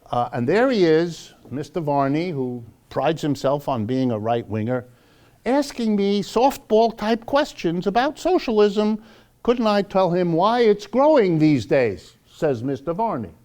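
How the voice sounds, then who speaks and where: A man with an American accent lecturing off the cuff to a live audience, wry and emphatic, slowing for dramatic weight. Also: on the high side, a little mellow. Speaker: lecturer hosting a monthly public talk.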